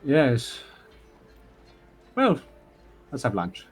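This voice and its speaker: Husky man role-playing a theatrical bard. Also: mid-range voice, huge pitch swings, drawn-out words, soft background music. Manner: theatrical, recites verse grandly. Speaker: player. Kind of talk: in-character tabletop role-play.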